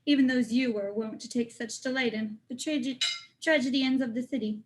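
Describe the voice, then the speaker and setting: A woman playing a deferential young male courtier in a dramatic reading of Shakespeare, courteous and measured. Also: a little high, steady tone, lightly acted. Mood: informative, polite. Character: deferential young courtier, Hamlet's old schoolfriend.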